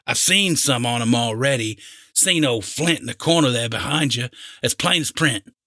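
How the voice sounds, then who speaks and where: A man voicing a feeble old seafaring pirate in an audiobook, pleading and agitated in rough sailor's dialect. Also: mid-range voice, expressive, moderate pace, pushed and bright, no room sound, studio quality. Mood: desperate, pleading. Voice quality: weak voice. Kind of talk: audiobook character acting.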